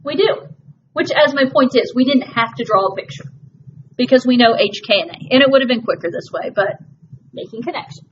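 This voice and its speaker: A woman's voice: fairly high pitch, expressive, a little fast. A woman math teacher working through a problem step by step, patient and reassuring with her class. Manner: patient, reassuring, walks through steps aloud. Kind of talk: classroom lesson. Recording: dull lo-fi classroom recording with faint hiss.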